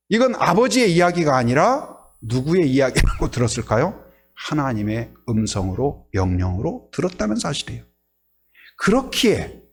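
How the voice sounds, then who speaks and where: A male pastor preaching a sermon, animated, often putting questions to the congregation. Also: fairly high pitch.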